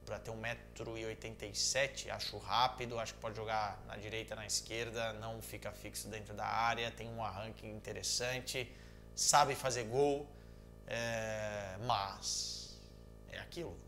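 A man's voice: on the low side, a little slow, creaky, faint music behind. Joking Brazilian man chatting to camera. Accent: Brazilian Portuguese. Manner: animated, joking, gestures a lot. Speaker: football commentator answering viewers. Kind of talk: casual chat. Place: small room at home.

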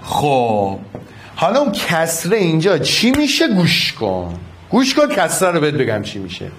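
A man's voice: fairly high pitch, wildly swooping pitch, slight background noise. A man teaching a physics problem to an online class, coaxing and affectionate, repeating each step.

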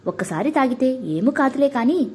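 A woman's voice: sits high, sing-song, moderate pace, darkish tone, slight background noise. A woman voicing an awkward remarried father. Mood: coaxing. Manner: coaxing then curt.

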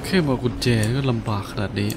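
A man giving casual let's-play commentary in an animated, exclamatory way, with playful muttering. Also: quick pace, noisy background. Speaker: gameplay commentator. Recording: game music behind the voice. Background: video game music.

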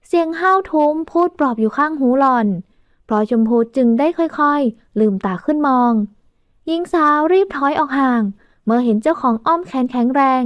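A woman narrating an audio novel with steady, even storytelling. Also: high-pitched, moderate pace, no echo. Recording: dull dry studio recording.

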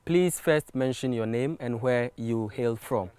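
Talk show host, male, polite, mid-pitched voice. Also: unhurried, darkish tone, smooth. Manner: polite, guiding questions.

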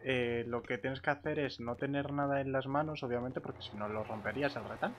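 Give the voice of a man with a Castilian Spanish accent, talking casually as he plays an online game. His pitch is average and his speech is colloquial and sweary. A faint noise sits behind him. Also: fairly even intonation, fairly quick. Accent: Spanish (Spain). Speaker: gamer in online roleplay. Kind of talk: casual chat while gaming.

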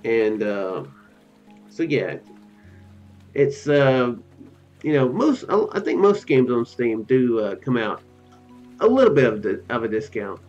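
A tired young man hosts a gaming video in a loose, hesitant ramble. His pitch moves around a lot as he muses to viewers. The recording is a little dull, with music playing faintly behind him. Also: very animated, unhurried, long pauses, a little mellow. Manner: rambling, hesitant, tentative musing. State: tired, drowsy. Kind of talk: casual game commentary to viewers. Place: small room at home. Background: game music.

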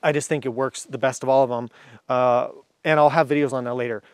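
A man's voice: mid-range voice, steady tone, a little fast, dry recording. A man in his thirties giving a casual, enthusiastic motorcycle gear review to camera outdoors, with lots of fillers. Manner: enthusiastic, chatty, many fillers.

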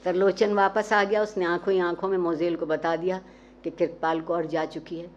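A woman storyteller giving a measured, expressive dramatic reading of a literary short story. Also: lowish voice, a little hiss or hum. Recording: dull, muffled recording with faint ambience.

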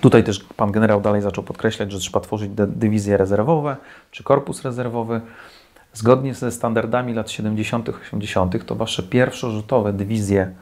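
A defense commentator, a Polish man in his forties, speaks to camera with scorn and sarcasm in his critical commentary. His voice is low-leaning and darkish, steady in tone and moderate in pace, recorded in a small indoor room with a plain white wall.

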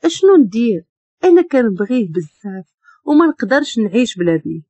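A woman's voice: on the high side, big pitch swings, brisk, dark tone, no room sound. Pleading young wife, read by a Moroccan woman. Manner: pleading, tearful.

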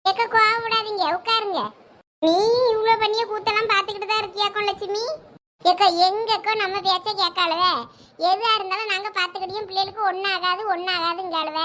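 A woman's voice: very high-pitched, steady tone, brisk, pushed and bright. A woman playing an opinionated village aunt, scolding and bantering in a comic sketch.

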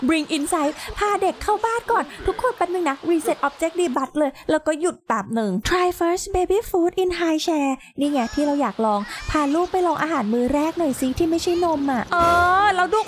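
A woman with a high voice gives casual, playful commentary over her game. She chats away to her audience and coos at the characters she controls. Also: animated, normal speed, background noise. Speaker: gameplay commentator.

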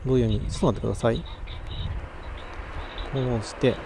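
Livestreaming outdoors, a cycling streamer with a medium-pitched, fast, vocal-fry voice talks casually to his viewers while fixing his audio. He mumbles mic checks into a voice recorder mic, and the background is noisy.

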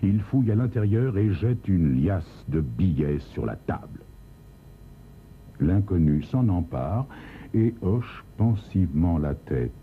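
A man telling a crime story in a low, gravelly voice, slow and swinging widely in pitch. The recording is tinny and phone-like, with a faint hiss. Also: very animated. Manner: dramatic, wry storytelling. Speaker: narrator. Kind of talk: scripted crime story narration.

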